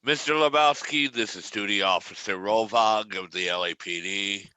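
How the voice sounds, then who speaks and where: Man as a businesslike, sharp-voiced duty officer. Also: fairly low pitch, normal speed, smooth, no echo. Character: formal police duty officer leaving message. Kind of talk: amateur virtual table read.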